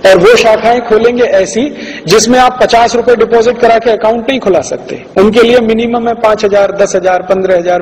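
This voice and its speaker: A man giving a public lecture, forceful, with rhetorical questions and repeated lists. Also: high-pitched, a little hiss or hum. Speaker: public speaker. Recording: distant echoey hall recording.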